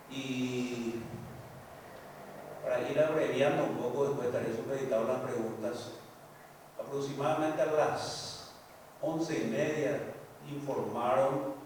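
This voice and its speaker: An older man with a Paraguayan Spanish accent, giving formal courtroom testimony in a measured way, often restarting his phrases. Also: medium pitch, a little mellow, slight background noise. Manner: measured, recounting events with frequent restarts. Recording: echoey hall, distant mic, faint ambience.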